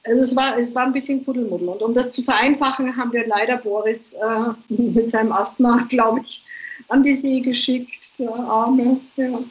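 A woman's voice: a little high, steady tone, moderate pace. An older woman from Vienna, a guest author chatting in a remote interview and filling her thoughts with ums. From Vienna, Austria. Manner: chatty, thinks aloud with many fillers. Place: at home on a holiday island, remote. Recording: dull lo-fi remote line.

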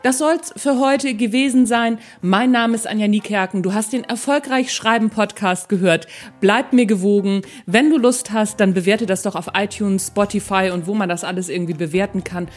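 A woman's voice: mid-range voice, normal speed, faint music behind. Chatty woman hosting a podcast. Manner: chatty, informal, addresses listeners directly. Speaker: podcast host and interviewer. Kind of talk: casual conversational interview and podcast outro.

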